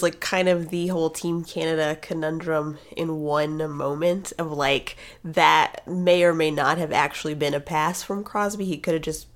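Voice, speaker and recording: A woman co-hosting a casual hockey chat, wry and chatty, often laughing. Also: fairly low pitch.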